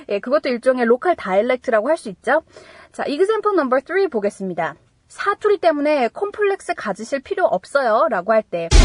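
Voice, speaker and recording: A woman teaches English words, her voice high and swooping with a lot of melody. She talks slowly and deliberately, spelling out her example sentences word by word between chatty asides. The sound is dry and close. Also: no room sound. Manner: chatty asides with little laughs. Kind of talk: English vocabulary lesson. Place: staying in Hawaii.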